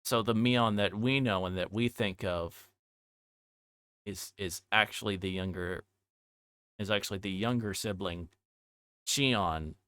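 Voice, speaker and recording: Male game streamer, lowish pitch, casual and halting delivery, dry sound. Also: fairly bright tone, clear, resonant tone, no echo. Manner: halting, thinking aloud. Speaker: livestreamer. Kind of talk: casual game commentary and read-aloud.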